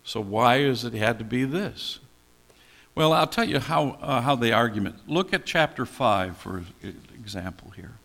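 Gravelly older pastor in a reverberant hall. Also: male voice, mid-range voice, lively intonation, moderate pace, a bit bright. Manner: conversational, asks and answers his own questions. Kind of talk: expository Bible teaching.

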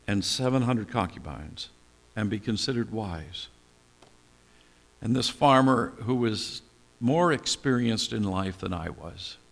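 Gravelly older pastor in a reverberant hall. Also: male voice, on the low side, fairly bright tone. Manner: conversational, asks and answers his own questions. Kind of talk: expository Bible teaching.

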